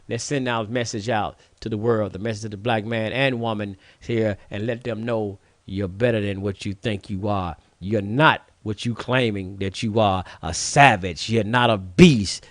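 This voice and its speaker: A man's voice: fairly low pitch, normal speed, no echo. A man from the United States with an African American Vernacular English accent, hosting a radio show and delivering an impassioned, scolding monologue. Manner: preachy, scolding, repetitive emphasis.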